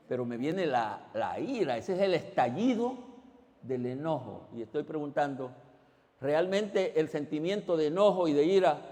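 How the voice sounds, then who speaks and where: A high-pitched man preaching to his congregation, heard in a church hall with a long reverb. He questions his listeners directly and moves from loud, emphatic exclamations to quiet asides. His delivery stays animated and pressing throughout. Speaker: pastor. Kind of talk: sermon.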